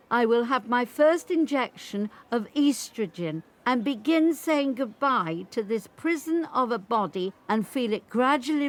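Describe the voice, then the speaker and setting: Older actress doing a defiant young trans woman, raised pitch, clear n firm, slow deliberate speech. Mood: proud, resolute. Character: proud, defiant eighteen-year-old trans woman confronting family. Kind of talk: dramatic monologue, quoted speech.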